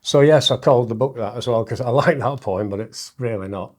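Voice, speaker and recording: A man's voice: medium pitch, fairly quick, a little mellow. A middle-aged man with a northern English accent, speaking casually as an interview guest in a self-deprecating way. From northern England. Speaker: interview guest, poet and comedian. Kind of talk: casual interview chat with poetry recital.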